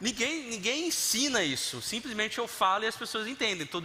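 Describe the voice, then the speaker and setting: Over noticeable background noise, a man talks in an animated tone at a very fast pace. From Brazil, Rio de Janeiro. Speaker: pastor. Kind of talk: sermon. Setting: church service with audience.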